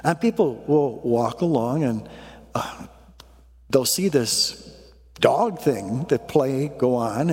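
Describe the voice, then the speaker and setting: A male pastor tells a folksy, chuckling story from the pulpit to open his sermon. His voice sits in a middle pitch and carries a long reverb from the church hall around him.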